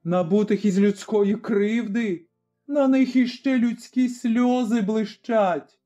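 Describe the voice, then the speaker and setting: A man's voice: sits high, steady tone, slow, mellow, voice pushed up. A man voicing a grim, fearless Cossack father who speaks firmly and commandingly in a storybook reading. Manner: firm, commanding. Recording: slightly dull recording, faint music.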